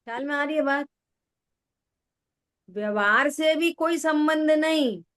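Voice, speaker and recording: Slow-spoken woman teaching scripture. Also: sits high, a bit bright. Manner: asks listeners questions, repeats key words. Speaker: spiritual teacher. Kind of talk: slow religious discourse with listener check-ins.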